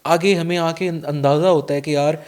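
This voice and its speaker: A man's voice: on the high side, fairly even intonation, normal speed. Chatty male podcast host. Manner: chatty, warm formal address, frequent fillers. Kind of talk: casual interview chat.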